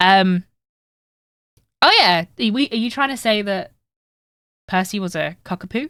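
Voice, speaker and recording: Her voice has a bright, sharp tone at a medium pitch, with ordinary pitch variation, as the woman speaks with long, frequent pauses. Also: fairly slow pace. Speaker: streamer. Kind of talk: casual chat. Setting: live stream.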